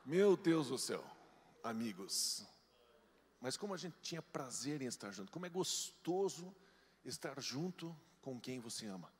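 Man, pastor, sermon, animated storytelling, lively swooping voice, long hall echo. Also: moderate pace. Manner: animated storytelling, jumps into high-pitched voices for quoted people. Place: church hall.

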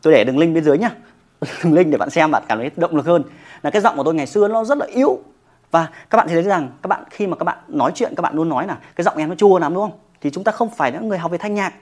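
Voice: medium pitch, expressive, very fast, darkish tone. A yoga instructor giving a motivational talk to camera, emphatic and often checking in with the listener through rhetorical questions.

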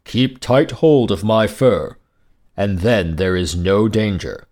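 A man voicing a great white bear from a storybook, courteous and solemn, speaking slowly and formally. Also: fairly low pitch, animated, darkish tone, voice pushed down. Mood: grave, reassuring. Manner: slow, grave, formal speech. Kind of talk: storybook character voice.

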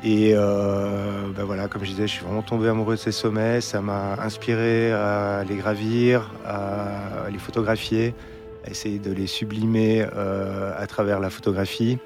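Hesitant low-voiced man, flat delivery. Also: normal speed, soft background music. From Belgium. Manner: hesitant, many "euh" fillers and restarts. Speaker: mountain photographer, interview guest. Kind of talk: relaxed podcast interview.

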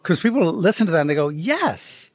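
A man's voice: sits high, brisk, slightly rough, dry recording. A man as an interview guest, telling a story and acting out the quoted voices. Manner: animated, acts out quoted dialogue. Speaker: guest author. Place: convention.

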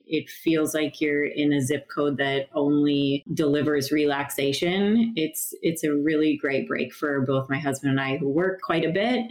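A woman's voice: sits low, darkish tone, poor audio. A woman from northern Minnesota answering questions casually as a podcast guest. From northern Minnesota, United States. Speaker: podcast guest, nonprofit founder.

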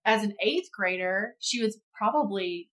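A woman's voice: medium pitch, lively intonation, measured pace, a bit bright, poor audio. A woman in her thirties talks into a studio podcast mic as co-host. Her voice sits in a middle range, and she speaks in a supportive, reflective way, often stepping in to finish her partner's thoughts. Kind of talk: casual chat.

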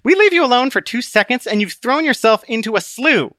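A man voicing a sardonic, deadpan female hologram book, a scoffing know-it-all in an audiobook story. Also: very high-pitched, a little fast, no echo, studio quality, pitched above the performer's own voice, heavily acted. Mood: scolding.

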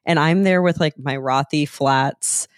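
A woman's voice: low voice, unhurried, no echo, studio quality. Upbeat woman telling a story. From American South. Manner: upbeat, laughs often while telling stories. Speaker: podcast co-host. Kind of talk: casual chat.

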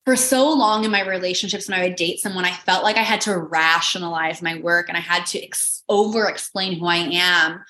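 A woman's voice: on the low side, a little fast, hardly any pauses, bright, forceful tone, echoey room. A woman hosting a personal spiritual coaching podcast, talking in an earnest, encouraging manner. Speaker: podcast host.

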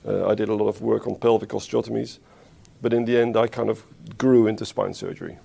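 A man from the Netherlands, a spine surgeon being interviewed, who talks in a thoughtful, unhurried way and corrects himself as he goes. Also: fairly low pitch, flat delivery, vocal fry, mellow, husky. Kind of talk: conversational interview.

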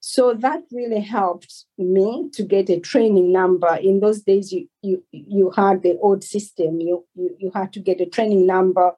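A Malawian woman in her forties, a doctor answering interview questions in a measured, earnest way. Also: medium pitch, steady tone, warm tone, husky, low-quality recording. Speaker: guest, consultant doctor.

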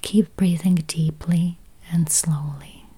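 A woman leads a guided meditation in a soft, whispery voice, gently speaking in short, spaced phrases. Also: fairly low pitch, steady tone, slow, breathy edge. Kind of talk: guided meditation, counting and affirmations.

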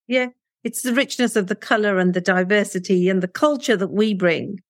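An earnest woman whose first language is Punjabi talks as an interview guest, leaning on rhetorical questions to persuade. Her voice sits at an ordinary middle pitch. The recording is close and dry, with no room sound. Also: moderate pace, no echo.

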